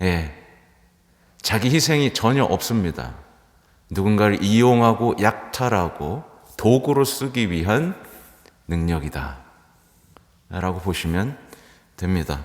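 The speech moves at a very slow pace, with long, frequent pauses and very wide pitch swings. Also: man, fairly low pitch for a man. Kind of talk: homily. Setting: church. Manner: conversational, frequent rhetorical questions.

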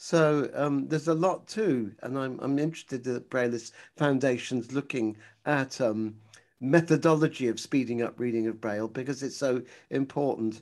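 A man talks in a plain, everyday voice at a medium pitch. His pace is moderate, with ordinary pitch variation. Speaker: audience participant, braille reader. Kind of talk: panel discussion. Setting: video call.

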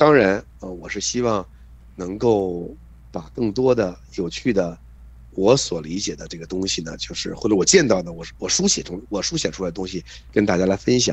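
A man with a very deep, low voice speaks at a moderate pace with ordinary pitch variation. His loudness swings widely. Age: 60s. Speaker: writer and translator. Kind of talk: interview. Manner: halting.

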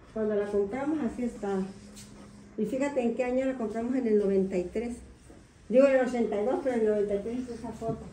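With long, frequent pauses and fairly even intonation, a woman is heard with audible room echo and light background noise. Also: fairly high pitch for a woman, moderate pace. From Santa Rosalía, Baja California Sur, Mexico; Baja California Sur, Mexico. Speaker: retired judge. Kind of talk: casual conversation. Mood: reflective, nostalgic.

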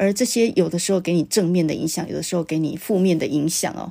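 A dark, mellow tone marks this voice. It belongs to a woman. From Taiwan, Tainan. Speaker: literary critic and channel host. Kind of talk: solo talk on films, books and memories. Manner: relaxed, chatty with many filler particles.

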